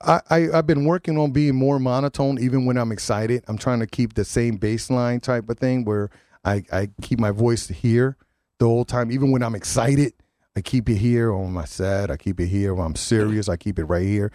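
A man's voice: medium pitch, steady tone, normal speed, mellow, dry recording. A radio host with a head cold, sounding nasal, chatting loosely and joking with his studio guests. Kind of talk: casual community radio chat.

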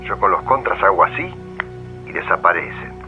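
A man's voice: sits low, animated, moderate pace, narrow, tinny audio, faint music behind. A man playing a coldly intimidating, condescending thug in a radio drama, speaking slangy Argentine Spanish with an Argentine accent. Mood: cold menace. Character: menacing male thug threatening a priest.

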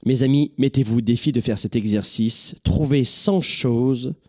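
A man from southern France giving an energetic, joking motivational talk to his listeners. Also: mid-range voice, moderate pace, slight background noise. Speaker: motivational speaker.

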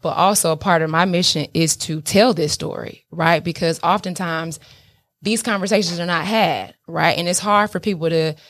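A woman's voice: lowish voice, steady tone, moderate pace, a bit bright. A woman with an African American accent in candid, casual conversation, speaking emphatically with frequent swearing and checking in with the listener. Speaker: business owner being interviewed.

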